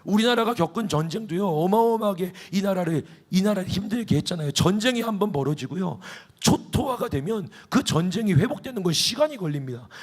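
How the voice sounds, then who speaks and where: A man preaching a sermon as pastor in a church, impassioned and rising into emphatic peaks. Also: high voice. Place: church sanctuary.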